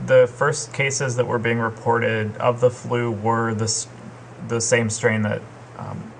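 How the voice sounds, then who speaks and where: Gravelly-voiced man with a cold. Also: mid-range voice, little pitch movement, takes it slowly, a little hiss or hum. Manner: hesitant, rambling, many ums. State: sick with a cold, sore throat. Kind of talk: casual chat. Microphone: remote call.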